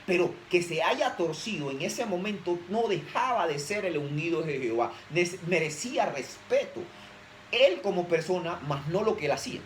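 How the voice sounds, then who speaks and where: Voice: mid-range voice, lively intonation, moderate pace, slight background noise, poor audio. A preacher giving an emphatic sermon, often posing rhetorical questions to the audience.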